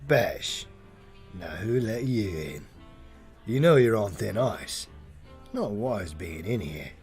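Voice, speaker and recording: A man playing Brian, a slow, gruff bartender. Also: on the low side, animated, darkish tone, soft background music. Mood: wary. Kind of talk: audio drama acting.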